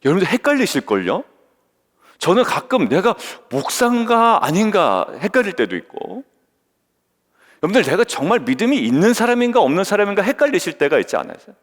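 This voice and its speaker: A male pastor delivers an early-morning sermon in a fairly high, animated voice that rises and falls as he questions his listeners. He slips into the voices of the people he quotes. The sound rings with the long reverb of a church hall. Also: brisk. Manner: lively, questioning the congregation and acting out quoted voices. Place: church sanctuary.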